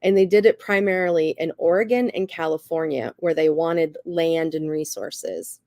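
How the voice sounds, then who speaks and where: A woman with a slightly raspy voice and a cough, earnestly explaining things as a guest speaker, often saying "you know" and "um". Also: deep voice, normal speed, warm tone, no echo. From Cherokee Nation. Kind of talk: explanatory talk.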